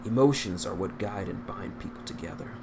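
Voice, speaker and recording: Guy doing a wry soldier, low calm voice, kinda philosophical, noisy audio. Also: brisk, vocal fry. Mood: earnest. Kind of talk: fan fiction character reading.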